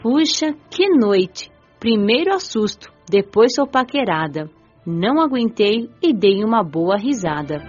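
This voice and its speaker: A woman playing a gentle, playful young spirit who narrates an audiobook drama in an expressive storytelling manner. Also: mid-range voice, a little slow. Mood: amused. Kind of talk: scripted first-person audiobook narration. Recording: dull band-limited audio, faint music.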